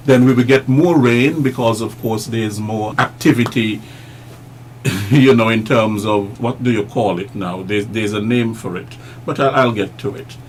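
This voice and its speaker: A man's voice: on the low side, measured pace, slight background noise. A man interviewing guests, chatty and explanatory, repeating words while he searches for them.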